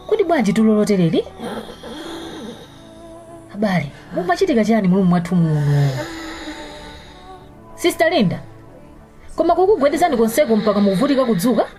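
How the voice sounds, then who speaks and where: A woman's voice: a little high, big pitch swings, brisk, long pauses, warm tone. A Malawian actress playing a nosy, exasperated woman calling out insistently to rouse a sleeper in a radio drama. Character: scolding, nosy woman rousing a heavy sleeper. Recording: music behind the voice.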